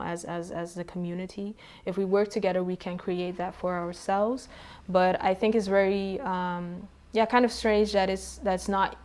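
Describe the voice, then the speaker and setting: Her voice is lowish and a little mellow. This poet from Suriname responds to an interviewer haltingly, with lots of pauses, ums and restarts.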